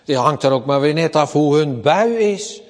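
A man preaching a sermon as pastor, slow and emphatic, often rising to raised, forceful passages. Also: a little high, animated. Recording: long church reverb.

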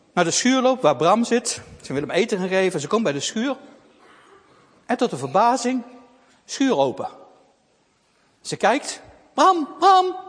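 A man reading a Christian children's story aloud with expressive delivery. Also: high voice. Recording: long reverb.

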